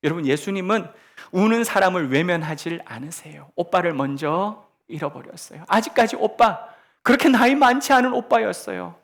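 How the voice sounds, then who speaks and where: A middle-aged man preaching a sermon as pastor, swinging from hushed, almost whispered lines to raised, emphatic questions, and slowing right down when he quotes gentle words. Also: high voice. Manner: slows down to quote Jesus gently.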